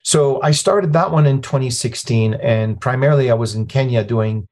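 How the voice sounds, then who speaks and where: A man's voice: medium pitch, moderate pace, darkish tone. A man in his fifties from Lebanon, a nonprofit president telling his story as a podcast guest in a plain, matter-of-fact way. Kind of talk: conversational storytelling interview.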